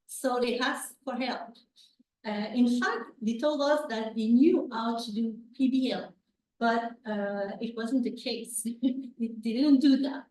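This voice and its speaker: Speaking slowly in a somewhat high, slightly mellow voice, a woman presents academic research at a conference in English, hesitating with many fillers and restarts. She is a university researcher and native French speaker with a Quebec French accent. The lecture room echoes, and she stands far from the microphone.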